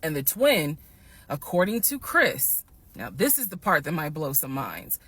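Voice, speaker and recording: A woman casually telling a personal story to her viewers, animated and emphatic, slowing down to stress the key points. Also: low-pitched, husky, no echo. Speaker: storytime vlogger.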